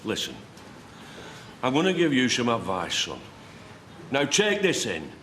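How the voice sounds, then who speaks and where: A blunt, gruff father with a Yorkshire accent, weary and bitter at the world. His voice sits at an ordinary pitch, and there is a faint hum behind him. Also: wildly swooping pitch, unhurried, a bit bright. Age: older. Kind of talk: TV soap drama acting.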